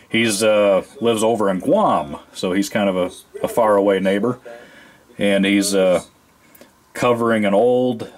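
Laid-back man rambling in his workshop. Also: on the low side. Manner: relaxed, rambling, many fillers. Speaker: RC airplane reviewer. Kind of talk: casual hands-on review. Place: home workshop.

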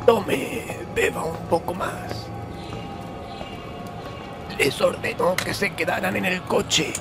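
An actor playing a gruff, bossy bar owner in an audio drama, curt and commanding. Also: male voice, high-pitched, fairly even intonation, takes it slowly, over music, exaggerated voice. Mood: grave, questioning.

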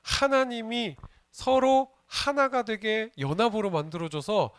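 A junior pastor with a high, slightly bright, smooth voice speaks at a measured pace. He gives the children a playful sermon, asking them questions and joking as he goes. The recording is dry and studio quality.

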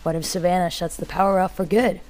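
Actress doing weary wry tinkerer woman in a doomed underground city, lowish voice, halting, audio drama monologue. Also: steady tone, darkish tone, lightly acted. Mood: wry, dry.

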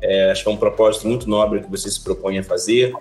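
A man's voice: on the low side, fast, reverberant, faint music behind. A man in his forties from Salvador, Brazil, a finance educator, talking animatedly with his hands as a guest in a video-call interview. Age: 40s. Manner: animated, gestures with both hands while explaining. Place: office with large windows.

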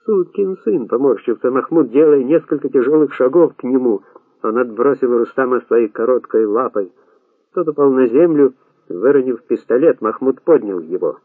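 A man's voice: mid-range voice, normal speed, slightly rough, no room sound. Male audiobook narrator, phone-like sound. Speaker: audiobook reader.

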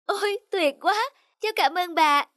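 A woman's voice: very high-pitched, measured pace, fairly bright tone, dry recording, clean studio sound, voice pushed up. A woman voicing a devoted young daughter in a cartoon, pleading and emotional, with music playing behind. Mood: earnest. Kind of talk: cartoon voice acting. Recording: background music under the voice.

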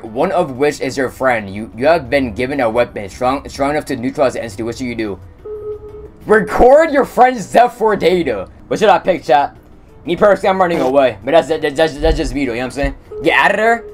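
A young man casually commentating on a game stream, using slang and talking excitedly to his chat. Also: on the high side. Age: young adult. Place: indoor room at streaming setup.

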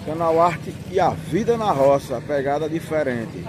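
A man's voice: fairly high pitch, lively intonation, normal speed, a crowd in the background. Chatty Northeastern Brazilian man at a market. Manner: chatty, keeps pointing things out. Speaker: vlogger filming a market. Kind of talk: casual walking vlog commentary. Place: outdoor animal market. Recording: crowded outdoor market noise.

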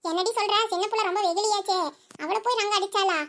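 Brief: a woman doing a high, quick, disbelieving cartoon village woman. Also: fairly even intonation, a bit bright. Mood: doubtful. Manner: questioning, disbelieving. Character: doubtful village woman, questioning and defensive of her friend. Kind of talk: cartoon voice acting.

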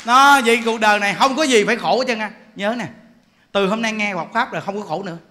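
A man's voice: sits high, fast talker, bright, forceful tone. A man in his forties with a Southern Vietnamese accent, giving a dharma talk in a joking, laughing way full of rhetorical questions. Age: 40s. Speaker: Buddhist monk preacher.

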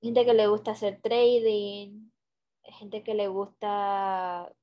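A woman's voice: medium pitch, little pitch movement, takes it slowly. A young woman talking casually on a video call, hesitant, with many fillers and restarts. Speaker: guest, graphic designer. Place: small room at home, indoors. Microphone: headset on video call. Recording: dull lo-fi video call audio.

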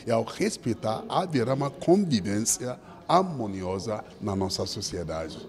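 Male interviewee, earnest, lively intonation, handheld mic indoors. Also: lowish voice, measured pace. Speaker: interviewee at religious event. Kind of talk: interview answer. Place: indoor event venue.

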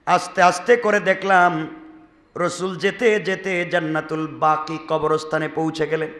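A man preaching a Friday sermon, swinging from hushed storytelling to loud emotional calls and asking the congregation questions. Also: on the high side, steady tone, unhurried, a little hiss or hum. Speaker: Islamic preacher. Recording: echoey hall.

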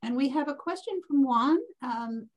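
Higher-voiced woman moderating a panel. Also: lively intonation, moderate pace, slight background noise, rough recording. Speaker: panel host, curator. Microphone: video call.

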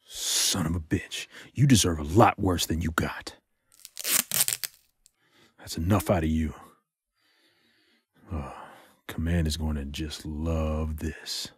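An actor playing a protective, defiant yet tender male spy in an intimate audio drama, with a husky voice. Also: extremely low pitch, fairly even intonation, slow, pauses often, a little hiss or hum. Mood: grim.

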